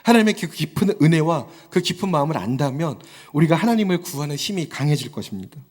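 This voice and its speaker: A man in his thirties preaches on a Sunday, acting out small quotes as he rises to fervent exhortation. His high, slightly mellow voice makes big pitch swings at a quick pace. Long reverb from the large church hall hangs on each line.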